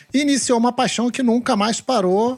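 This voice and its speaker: The recording is dry and close, free of echo. A man talks in it at a fairly quick pace. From Vitória, Espírito Santo, Brazil. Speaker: marketing professional, podcaster. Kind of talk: casual chat.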